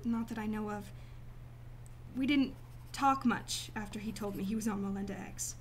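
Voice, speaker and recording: A woman playing a guarded, emotionally detached client in a radio drama, speaking formally and deliberately. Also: medium pitch, a little hiss or hum, lightly acted. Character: cool, detached female client, guarded murder victim's sister.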